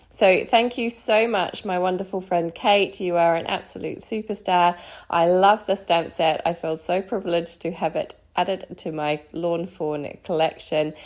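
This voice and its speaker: A woman with a croaky voice from a cold, chatting casually through a card-making voice-over with frequent ums. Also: low voice.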